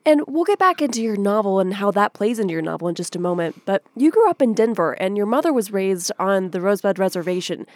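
A woman hosting a public radio program who introduces guests and asks questions in a clear, composed way. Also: mid-range voice, animated, fast, hardly any pauses, a little mellow, no room sound. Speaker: radio show host.

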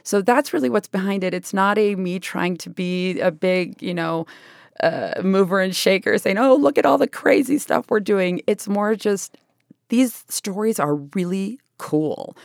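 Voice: medium pitch, expressive, a little slow, vocal fry, dry recording, clean studio sound. A guest on a radio interview who talks in an enthusiastic, loose way, with fillers. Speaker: interview guest, festival organizer. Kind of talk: casual interview talk.

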